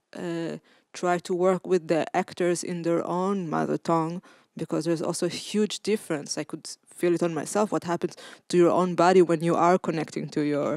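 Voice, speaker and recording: The speech moves at a moderate pace in a very clean recording with a silent background and a dry, close sound with no echo. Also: woman. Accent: Israeli. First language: Hebrew. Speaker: theatre director and playwright. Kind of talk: panel discussion.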